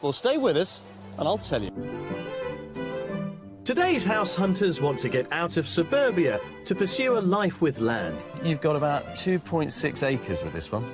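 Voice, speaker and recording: A man's voice: fairly high pitch, very animated, moderate pace, over loud music. A man presenting a TV property show, delivering scripted narration in an upbeat way.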